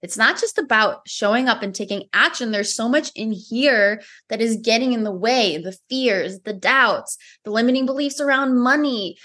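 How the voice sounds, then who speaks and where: A woman whose first language is Romanian, a mindset coach telling her story in a podcast interview, earnest and animated. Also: a little high, moderate pace, hardly any pauses. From United States. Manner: earnest, animated storytelling with acted-out inner dialogue.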